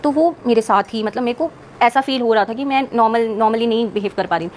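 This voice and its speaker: A woman's voice: a little high, a little fast, slight background noise. A woman, a singer, telling a personal story as a podcast guest in an earnest, rambling way, with English words mixed into her speech.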